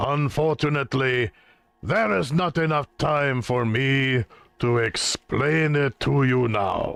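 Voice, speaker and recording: A man performs a put-on character voice at medium pitch. He delivers it at a fairly slow pace. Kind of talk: solemn fantasy mentor. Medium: game stream. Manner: grave, formal, evasive.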